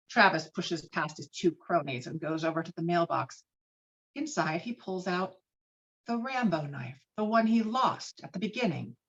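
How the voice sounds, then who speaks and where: Woman narrator, slightly low pitch, emphatic screenplay reading, dull video-call audio. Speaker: narrator of stage directions. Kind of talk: screenplay narration in a virtual table read.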